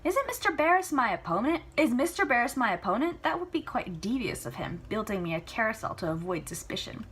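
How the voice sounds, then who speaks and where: Storybook role: young woman magician, sarcastic, challenging, exasperated daughter, raised pitch, played by a woman reader. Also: sing-song, fairly quick, few pauses, a bit bright, slight background noise. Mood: defensive. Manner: emphatic, challenging. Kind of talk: storybook character reading.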